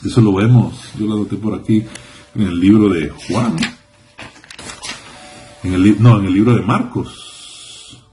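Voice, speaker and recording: A man's voice: fairly low pitch, a little slow, pauses often, mellow, slight background noise. A man preaching a sermon as a rabbi, fervent, repeating phrases and calling out hallelujah. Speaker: rabbi teaching a congregation.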